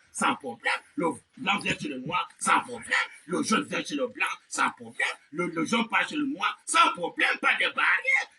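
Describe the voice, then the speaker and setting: A man preaching a fervent revivalist sermon, shouting and exhorting with repeated phrases, rhetorical questions and amens. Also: sits high, far from the mic, slight background noise.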